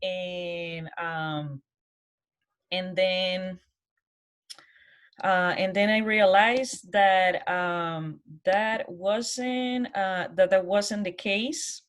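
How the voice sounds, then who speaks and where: A woman with a Colombian Spanish accent giving an informal personal presentation, halting, with frequent pauses and restarts. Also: lowish voice, fairly even intonation. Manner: halting, hesitant, many pauses and false starts. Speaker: guest speaker, college program manager.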